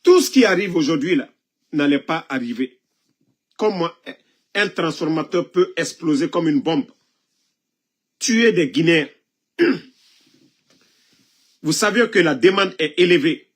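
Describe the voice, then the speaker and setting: A man's voice: a little high, animated, a little slow, pauses often. A man giving impassioned political commentary, coughing now and then from a cold, scolding and asking pointed rhetorical questions.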